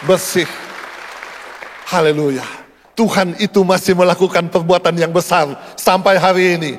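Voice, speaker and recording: High-voiced emphatic pastor in a reverberant hall. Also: male voice, steady tone, moderate pace, some chatter behind. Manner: emphatic, repeats phrases, swings from loud calls to low prayerful tones. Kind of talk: sermon. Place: church hall. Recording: long church hall reverb.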